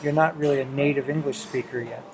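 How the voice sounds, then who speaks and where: A man's voice: medium pitch, fairly even intonation, fast talker. A middle-aged man chatting casually and encouragingly with his teenage child as the host of a home video. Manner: encouraging, affirms often with "right" and "exactly".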